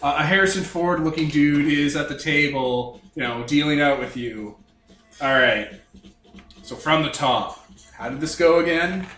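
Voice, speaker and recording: A man's voice: a little high, unhurried, sharp tone, roomy sound, distant mic, soft background music. A man running a tabletop game as game master, setting scenes with wry, jokey narration.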